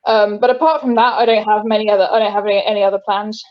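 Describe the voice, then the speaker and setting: A woman's voice: mid-range voice, fairly even intonation, rapid-fire, muffled recording. A young woman speaking as a guest in a casual chat. She is hesitant and fills her talk with ums and likes. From England.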